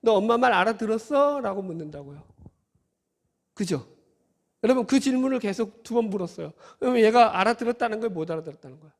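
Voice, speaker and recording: A man's voice: high voice, expressive, fast, long pauses, a little mellow. A male pastor preaching a sermon in a conversational way, asking the congregation rhetorical questions and acting out scolding voices. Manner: acts out scolding voices in quotes. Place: church sanctuary. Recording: church hall reverb.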